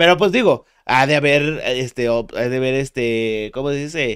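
A man with a Mexican accent, moderate pace and ordinary pitch variation, against a quiet background. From Mexico. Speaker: podcast host. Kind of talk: casual interview. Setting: home studio with green screen. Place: home room. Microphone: studio mic.

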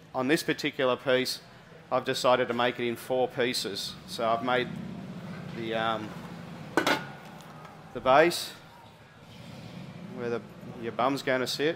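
Through noticeable background noise, a man speaks at a fairly slow pace with fairly even intonation and long, frequent pauses. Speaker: metalworker giving a demonstration. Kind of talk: live demonstration talk. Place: hall. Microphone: headset.

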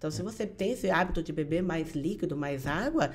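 With lively intonation, a woman talks in a dark, mellow tone. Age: 40s. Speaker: sports nutritionist; guest. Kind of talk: casual chat. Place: studio. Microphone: studio mic.

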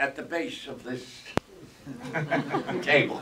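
A man's voice over noticeable background noise. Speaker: actor. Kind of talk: interview answer. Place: stage. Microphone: pa.

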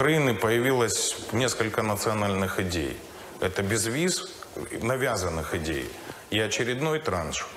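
A man's medium-pitched voice at a fairly slow pace, with very wide pitch swings, very even loudness, long frequent pauses, audible room echo and noticeable background noise. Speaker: politician. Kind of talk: political speech.

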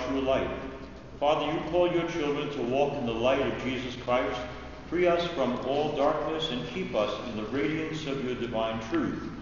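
Strong room echo and light background noise accompany speech at a moderate pace with ordinary pitch variation. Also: man. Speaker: priest leading mass. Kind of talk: liturgical prayer. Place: church. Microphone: podium.

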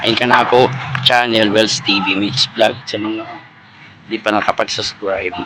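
Behind noticeable background noise, a man speaks at a moderate pace with fairly even intonation. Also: medium pitch for a man. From Philippines, Hinatuan, Surigao del Sur. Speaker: travel vlogger. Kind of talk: walking vlog narration. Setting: outdoors, walking around town. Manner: halting, many fillers.

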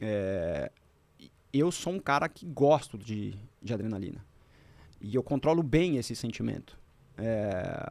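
Very slow, lively speech from a medium-pitched man, with long, frequent pauses and a dry sound with no echo. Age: 50s. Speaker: former Olympic skier and adventure athlete; podcast guest. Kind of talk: casual interview. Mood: calm, reflective storytelling. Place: studio. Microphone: studio mic.

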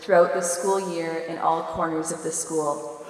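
A woman's fairly even intonation amid audible room echo. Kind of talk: ceremonial welcome speech. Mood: warm, formal. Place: hall.

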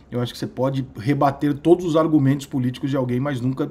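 The intonation of this man remains fairly even. He keeps to a fairly quick pace. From Brazil. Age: 40s. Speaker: sports journalist. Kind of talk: video commentary monologue. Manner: casual, conversational. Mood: opinionated, somber tribute, irritated. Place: home room. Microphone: phone near.

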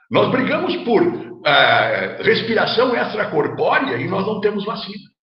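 A man speaks at a high pitch with very wide pitch swings and a fairly slow pace. Room echo is audible. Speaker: appellate judge, former lawyer. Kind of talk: panel discussion. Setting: video call. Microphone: earbuds.

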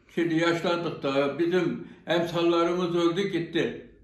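A man talks at a fairly slow pace in a high pitch. Room echo can be heard. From Turkey. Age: 80s+. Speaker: barber. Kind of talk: interview. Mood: calm, slightly wistful. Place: shop.

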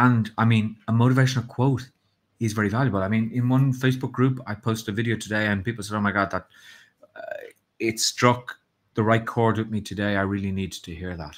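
Delivered at a fairly quick pace, the speech has fairly even intonation. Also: man. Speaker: live stream host, content marketing presenter; presenter. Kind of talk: live webinar talk. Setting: home setup with own microphone. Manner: casual, many fillers. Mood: relaxed, chatty. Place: home room. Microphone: webcam.

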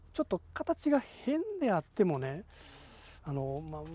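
With a dark, mellow tone and very wide pitch swings, a man talks at a moderate pace in a dry, close sound with no echo. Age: 40s. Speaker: strawberry farmer. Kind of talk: casual interview.

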